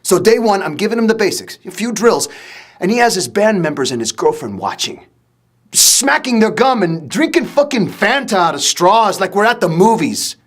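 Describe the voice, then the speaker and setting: Profane ex-Marine trainer ranting loud, higher voice. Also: male voice, very animated, normal speed. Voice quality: profane, blunt, loud storyteller. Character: blunt ex-Marine male trainer, crude. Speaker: former Marine, film military adviser.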